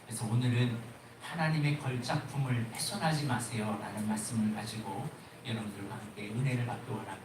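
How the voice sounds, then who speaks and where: Korean pastor preaching in an echoey church. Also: male voice, mid-range voice, steady tone, a little fast, background noise. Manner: earnest preaching with acted-out anecdotes. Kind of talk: sermon. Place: church sanctuary. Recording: very echoey church hall, distant mic.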